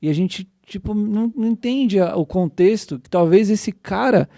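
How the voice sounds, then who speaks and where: A young man hosting a casual church podcast, excitedly retelling scripture in slangy everyday speech. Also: high-pitched, normal speed, no room sound, studio quality. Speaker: podcast host.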